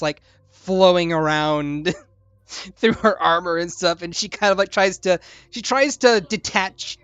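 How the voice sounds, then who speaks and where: Brief: chatty game master narrating, bright and forceful tone, dry close mic. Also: mid-range voice, no echo. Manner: rambling, animated, many fillers.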